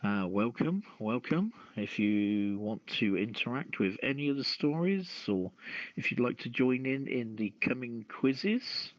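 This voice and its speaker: A man hosting a casual talk show and reading out news in a halting way, on a dull lo-fi voice chat. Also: medium pitch, expressive, no echo. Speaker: host.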